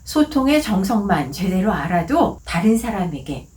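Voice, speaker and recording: A woman hosting a book channel, giving a calm, clearly articulated talk on conversation tips from her office. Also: medium pitch, normal speed. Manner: calm, clearly articulated, acts out short quoted lines. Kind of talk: scripted explanatory talk.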